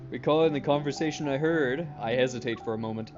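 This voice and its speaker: A man streaming a game, reading its text aloud and adding excitable, jokey commentary. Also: medium pitch. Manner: jokey, excitable, quick asides. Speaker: gaming streamer. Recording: muffled, game music behind.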